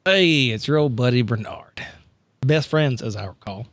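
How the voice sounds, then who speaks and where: A man's voice: medium pitch, lively intonation, normal speed, a bit bright, no echo. A man playing a tabletop game, improvising casually in his everyday voice with a wry, hesitant, rambling delivery.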